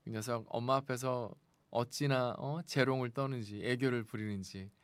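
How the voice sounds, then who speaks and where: In a radio studio, a male host reads listener messages aloud and answers them in a chatty, friendly way, with light laughs. His mid-range voice is smooth and fairly even, at a moderate pace, with no room sound.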